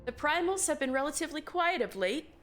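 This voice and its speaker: Calm formal woman leader, as a streamer reads her lines. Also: high-pitched, soft background music, voice pushed up. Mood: grave counsel. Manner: measured, formal reading of game dialogue.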